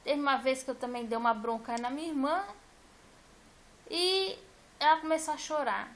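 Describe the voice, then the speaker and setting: A woman's voice: high voice, moderate pace, fairly bright tone. A woman, a teacher, talking casually and emphatically to her viewers and repeating her points. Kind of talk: casual talk to camera.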